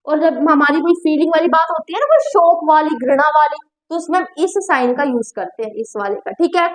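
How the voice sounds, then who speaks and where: A woman's voice: high voice, sing-song. A woman teaching a grammar lesson to students in a chatty classroom style, checking in often and stretching out her examples. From India. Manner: chatty, repeats "ठीक है", drawn-out examples.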